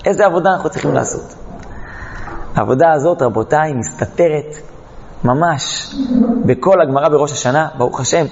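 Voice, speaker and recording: A man's voice: fairly high pitch, pauses often, big-room sound, lo-fi sound, slight background noise. A man teaching a Torah lesson, telling a parable dramatically and acting out the characters. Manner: dramatic storytelling, acts out the characters. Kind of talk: storytelling lesson.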